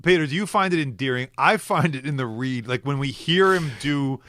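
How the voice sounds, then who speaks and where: A man co-hosting a sports radio show in a studio, teasing his partner in an animated way and then reading a sponsor spot. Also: mid-range voice, brisk, slight background noise. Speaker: radio co-host. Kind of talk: casual sports radio banter. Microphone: studio microphone.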